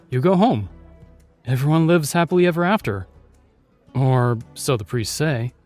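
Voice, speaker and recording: An actor playing a gallant, protective knight in a fantasy audio drama, earnest, courtly and commanding. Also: male voice, medium pitch, darkish tone, close to an everyday voice.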